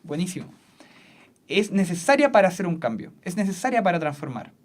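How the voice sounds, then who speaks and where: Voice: medium pitch, very animated, fairly quick. A substitute physics teacher, teaching a class in a classroom. The teacher repeats key points and keeps checking in with the students. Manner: repeats key points, checks in with frequent questions, laughs easily. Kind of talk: classroom lesson. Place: classroom with a whiteboard.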